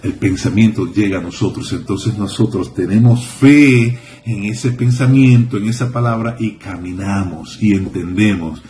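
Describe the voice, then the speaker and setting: A man's voice: on the low side, normal speed, hardly any pauses, dark tone, a little hiss or hum. A man preaching a sermon as a rabbi, fervent, repeating phrases and calling out hallelujah. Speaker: rabbi teaching a congregation.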